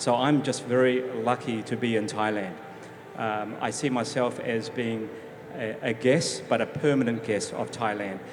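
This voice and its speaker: Speaking with a New Zealand accent, a man talks at a moderate pace in a medium pitch with fairly even intonation, amid audible room echo and noticeable background noise. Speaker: corporate affairs director. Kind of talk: panel discussion. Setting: stage with audience.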